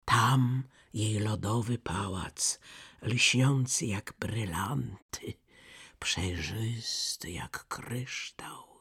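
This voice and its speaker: A storyteller voicing a reindeer from the far north, speaking slowly and half whispering in a husky voice. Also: medium pitch, voice pushed down, exaggerated voice. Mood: dreamy hushed. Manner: slow, hushed, dreamy.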